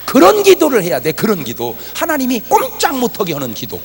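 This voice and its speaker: A man pastor preaching a revival sermon, swinging from soft talk to shouting and acting out quoted prayers. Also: very high-pitched, wildly swooping pitch, brisk. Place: large church hall with congregation. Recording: church hall reverb, faint ambience.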